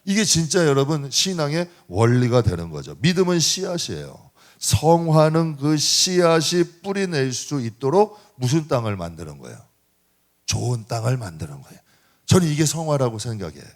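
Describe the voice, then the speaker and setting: A middle-aged man preaching a sermon as pastor, talking to the congregation in a lively, conversational way and asking them frequent rhetorical questions. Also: mid-range voice, moderate pace. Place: church sanctuary.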